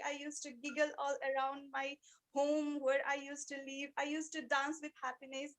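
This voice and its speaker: A woman who is a non-native English speaker, giving a rehearsed personal speech in an earnest, emotive way with deliberate repetition. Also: sits high, rough recording. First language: not English. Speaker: speech club participant giving a practice speech.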